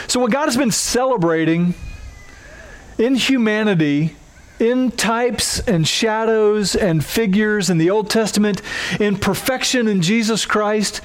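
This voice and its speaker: A middle-aged pastor with a twangy Oklahoma accent preaches in a fairly high voice for a man. He teaches earnestly and steadily, stacking up scripture references as he goes. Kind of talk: sermon.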